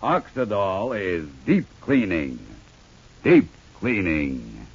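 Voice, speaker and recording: A man chanting a slow slogan as an announcer on an old-time radio show, heard through a muffled old radio transcription. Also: sits low, wildly swooping pitch, breathy edge.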